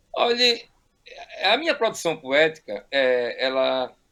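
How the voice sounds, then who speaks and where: A man with a bright, sharp tone and lively intonation. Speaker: poet and literary curator. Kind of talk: TV interview.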